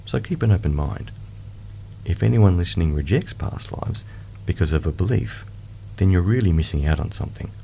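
Super deep voiced guy doing guided meditation, soft n soothing, bit of gravel, music behind. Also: expressive, moderate pace, a little hiss or hum.

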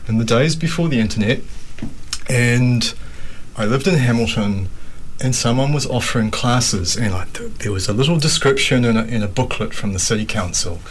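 A man's voice: medium pitch, normal speed, slight background noise, rough recording. A man in his fifties with a New Zealand accent, telling stories conversationally as an interview guest. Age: 50s. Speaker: interview guest, capoeira practitioner.

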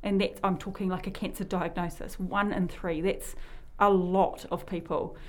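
A woman's voice: lowish voice, flat delivery, moderate pace, darkish tone. A woman with a New Zealand accent who works in health promotion, hosting a casual radio chat and talking in a rambling way that often sidetracks itself. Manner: chatty, rambling, sidetracks herself. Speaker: health promotion worker and show host.

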